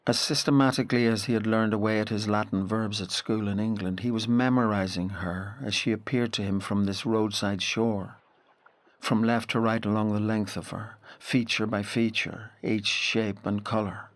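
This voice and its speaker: A man with a Northern Irish accent playing a reflective storyteller, narrating a literary audio drama in a measured, deliberate way. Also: fairly low pitch, fairly even intonation, natural voice. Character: reflective male storyteller recalling a boy's rural Irish childhood.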